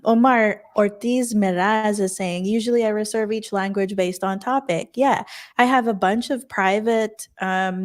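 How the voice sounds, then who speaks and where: A woman whose first language is Tagalog, hosting a casual video interview, relaxed and quick to laugh as she talks through her note-taking habits and reads out viewer comments. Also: mid-range voice. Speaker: podcast host.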